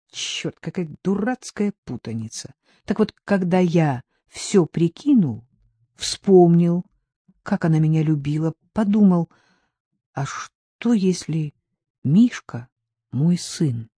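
A patient middle-aged man speaks in a level, measured way, firm without raising his voice, as a woman narrator voices him. The tone is dark and mellow, recorded close and dry for an audiobook. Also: fairly low pitch, lively intonation, slightly rough, dry recording, full character voice.

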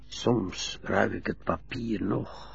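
A guilt-haunted old widower with a low, gravelly, husky voice. He speaks slowly and haltingly and keeps stumbling over his confession. The sound is a dull, lo-fi radio play recording. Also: fairly even intonation, soft background music, full character voice. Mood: nostalgic. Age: older. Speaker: old man being helped to dress. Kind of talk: radio drama acting.

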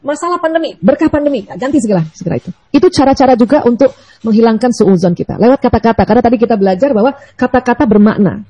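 Woman preacher, playful and lively, husky higher voice. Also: racing, low-quality recording. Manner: lively, playful, asks the audience questions. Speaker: Islamic lecturer. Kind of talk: religious lecture to mothers.

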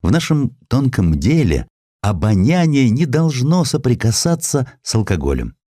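A man's voice: medium pitch, big pitch swings, moderate pace, mellow, dry recording, clean studio sound. A man narrating a historical essay as an audiobook, reading expressively and giving the characters voices in their quoted lines.

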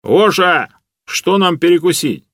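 A man voicing a brash young man who talks loudly in blunt slang. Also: medium pitch, big pitch swings, moderate pace, pitched above the performer's own voice, natural voice. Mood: indignant. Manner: loud slangy banter.

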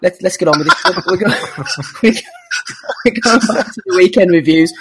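A man's voice: high voice, animated, moderate pace, background noise. A Scottish man hosting a boxing podcast, steering the chat and reading out listener questions. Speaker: podcast host.

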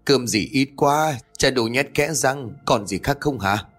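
A man voicing a gruff middle-aged father in a horror story, curt and brusque. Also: mid-range voice, unhurried, fairly bright tone, soft background music.

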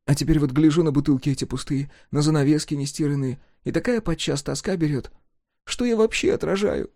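A man voicing a dreamy, sighing male mirror reflection in an audiobook, speaking in a raised, soft, folksy tone. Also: on the high side, fairly quick, gravelly, dry recording, studio quality, voice pushed up. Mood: wistful. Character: wistful male mirror reflection, once lived in a pond.

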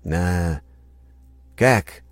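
Brief: man playing a weak, irritable old father, slow and hoarse. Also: sits low, animated, no room sound, exaggerated voice. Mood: strained. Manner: hoarse, strained, commanding. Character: older father, weak from a coma, quick to anger. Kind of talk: audiobook character voice.

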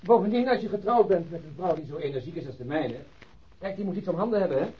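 A man's voice: sits high, lively intonation, fast, a little hiss or hum. An actor playing a jovial middle-aged male detective in a naturalistic radio play, bantering and ironic. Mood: musing. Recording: dull lo-fi radio recording.

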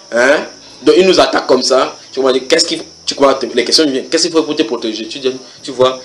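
A man preaching a church sermon, animated, with many rhetorical questions, swinging from loud bursts to quiet asides. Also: medium pitch, slight background noise.

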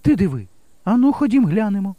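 A bold young village schoolteacher, as a male reader puts her on, pitched well above his own voice. She speaks in a bright, brisk and reassuring way, with a dry, close storybook sound. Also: very animated, no room sound, lo-fi sound. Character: brave, resolute young woman village teacher. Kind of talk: audiobook character voice.

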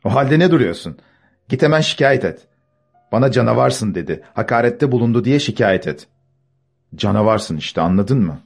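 A man reading an audiobook, voicing a bitter, anxious poor man who shouts at his servant and stammers when flustered. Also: medium pitch, animated, normal speed, gravelly, slightly rough, faint music behind. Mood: furious.

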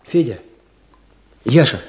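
Here the actor has a mid-range, slightly mellow voice, animated yet slow, with a little hiss or hum on the recording. He plays Kuzma, the earnest rural Soviet village chairman in a radio play, firmly coaxing peasants at a meeting toward his view.

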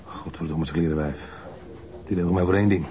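Actor as surly low-voiced young crook. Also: male voice, fairly even intonation, quick pace, mellow, lightly acted. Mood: bitter, disgusted. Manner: sullen, coarse, defiant. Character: surly, foul-mouthed young male crook under interrogation. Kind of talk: naturalistic radio drama dialogue. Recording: dull, noisy old radio recording.

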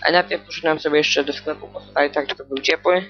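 Male podcast host, fairly high voice, rambling and hesitant, lots of fillers, faint music underneath. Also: steady tone, a little fast, bright, forceful tone, muffled recording. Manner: hesitant, meandering, with many fillers and restarts. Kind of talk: rambling solo podcast chat.

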